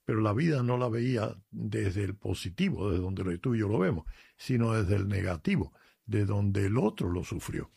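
Sacerdote cubano de voz rasposa y grave. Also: male voice, on the low side, lively intonation, normal speed, dark tone, dry recording, clean studio sound. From Cuba. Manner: earnest, emphatic, tells personal stories. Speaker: priest, regular guest. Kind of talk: radio chat on faith.

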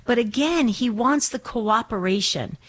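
A woman's voice: on the high side, lively intonation, measured pace. Enthusiastic woman hosting call-in radio. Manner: enthusiastic, repeats words. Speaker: radio call-in show host. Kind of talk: religious call-in radio talk.

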